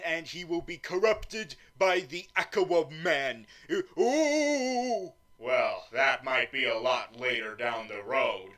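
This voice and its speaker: A man's voice: medium pitch, fairly bright tone, voice pushed down. A man voicing a nervous, lesser-known supervillain interviewer who stammers, repeats words and rambles. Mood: flustered. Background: background music.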